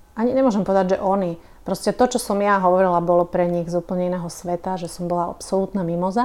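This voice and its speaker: A woman talks at a very fast pace with a medium pitch and fairly even intonation against a quiet background. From Slovakia. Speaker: change consultant and former banker. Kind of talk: interview conversation.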